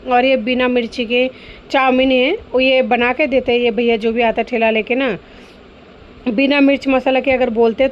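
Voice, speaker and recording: High-pitched woman, home vlogger and mother, chatty and soothing, relaxed home recording. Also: highs cut off, slight background noise. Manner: chatty, frequent tag questions; coaxing, soothing with a child. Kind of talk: casual home vlog chat. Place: home kitchen and rooms.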